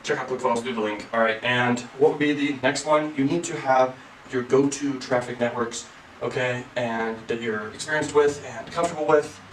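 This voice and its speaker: Echoey, energetic salesy man. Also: mid-range voice, moderate pace. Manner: energetic, salesy, says freaking a lot. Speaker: online course creator. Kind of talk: casual tutorial talk. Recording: echoey room, mic at a distance, faint ambient noise.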